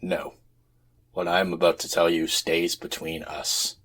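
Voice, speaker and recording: A man performs a shadowy stranger in a trench coat for an audio drama. The voice is deep, husky and very flat, measured and secretive, as if sharing a conspiracy.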